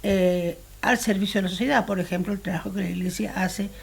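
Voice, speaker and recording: An older woman in her sixties, originally from Spain, answers interview questions in an easy conversational way. Her voice is husky and sits at a middle pitch. She often pauses and restarts while she looks for the right phrase. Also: fairly even intonation. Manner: thoughtful, searches for words with many pauses. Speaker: interview guest.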